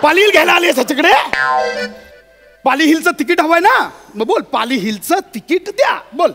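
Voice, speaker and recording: Loud, bossy Marathi comic man. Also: very high voice, sing-song, normal speed, big-room sound, soft background music. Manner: loud, bullying, shouting orders. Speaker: comedian. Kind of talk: live comedy sketch. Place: stage before a live audience.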